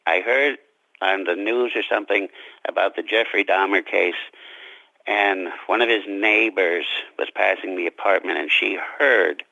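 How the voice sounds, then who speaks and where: A man being interviewed as a writer, talking reflectively about his craft in deliberate, halting phrases. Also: low voice, creaky, pushed and bright, no echo, lo-fi sound.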